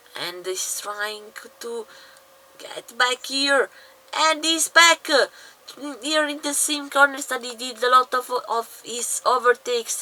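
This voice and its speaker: A raised, projected voice speaks at a very slow pace. Noticeable background noise runs underneath. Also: woman. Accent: non-native. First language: not English. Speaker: esports race commentator. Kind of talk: live commentary. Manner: halting, many fillers; animated.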